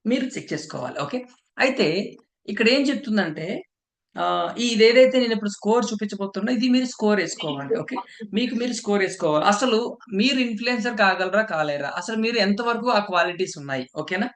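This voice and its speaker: Male trainer, quick delivery, keeps asking "okay?", roomy sound. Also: sits high, lively intonation, fairly bright tone. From India. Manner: checks in with listeners, frequent "okay"; walks listeners through a questionnaire item by item. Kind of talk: training lecture.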